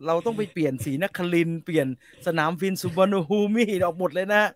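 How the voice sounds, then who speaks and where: A man in casual chat, talking bluntly and crudely with quick joking retorts. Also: sits high, no echo.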